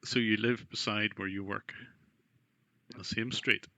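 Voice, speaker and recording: A man with a gravelly voice, questioning someone in a persistent, skeptical, conversational way. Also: on the low side, steady tone, measured pace, sharp tone, a little hiss or hum. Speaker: scam baiter questioning a scam caller.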